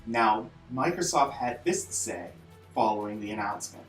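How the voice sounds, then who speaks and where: A man hosting a scripted weekly video game news show, speaking in an emphatic, informal, hyped-up way with dramatic pauses. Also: fairly low pitch, expressive, a bit bright, soft background music, low-quality recording.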